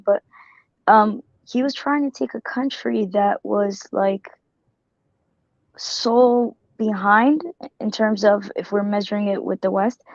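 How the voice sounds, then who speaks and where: A woman's voice: mid-range voice, no room sound, dull audio. Earnest rambling woman on a call. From Somalia. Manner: rambling, self-correcting, earnest. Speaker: caller. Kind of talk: casual group discussion.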